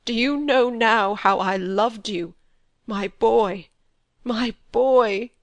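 A woman reading a grief-stricken old country squire in a rough rural dialect, her voice low and broken. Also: slow pace, no echo. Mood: grieving. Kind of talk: audiobook character voice.

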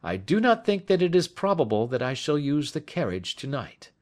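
A man reading aloud as a calm gentleman detective with a dry, offhand manner. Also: a little high, moderate pace, pitched above the performer's own voice. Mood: wry.

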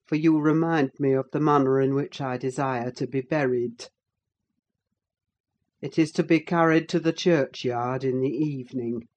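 A man's voice: medium pitch, fairly even intonation, moderate pace, darkish tone, natural voice. A performer playing a brooding, haunted, sleepless older man in a dramatic audiobook, speaking in grave, intense declarations. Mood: solemn. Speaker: character in an audiobook.

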